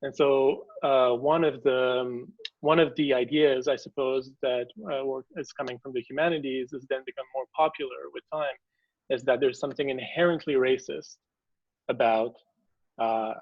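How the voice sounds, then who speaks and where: A man's voice: medium pitch, fairly even intonation, dry recording. Hesitant man, dull dry recording. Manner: hesitant, many fillers and restarts, measured. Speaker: guest. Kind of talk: conversational interview.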